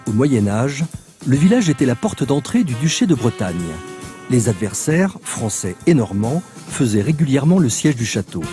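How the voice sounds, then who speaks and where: A man's voice: mid-range voice, sing-song, moderate pace, dark tone. A man reading scripted narration and advertising copy as a voice-over artist. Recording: music bed behind the voice. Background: music.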